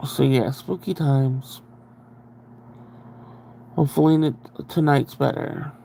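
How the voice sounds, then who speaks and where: Congested, nasal man with a gravelly edge. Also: mid-range voice, takes it slowly, warm tone, slight background noise. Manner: chatty, rambling, greets viewers. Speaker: livestream host. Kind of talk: casual livestream chat. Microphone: very close to the microphone, breathing audible.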